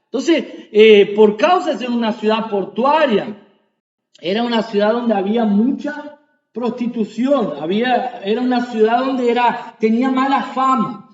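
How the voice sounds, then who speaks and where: Male pastor, very high voice, emphatic sermon, dull lo-fi church recording. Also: unhurried. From Uruguay. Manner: emphatic, rhetorical questions, repeats "verdad"; cries out quoted pleas loudly. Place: church sanctuary. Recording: echoey church, dull lo-fi sound.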